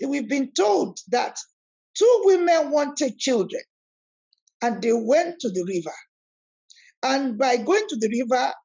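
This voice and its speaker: Give me a woman, hosting a video call in a preacherly way, with lively swoops of pitch. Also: gravelly, lo-fi sound. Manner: emphatic and preacherly, repeats words, rises sharply on key words. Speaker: host of an online spiritual discussion. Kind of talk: animated talk, switching between English and Yoruba.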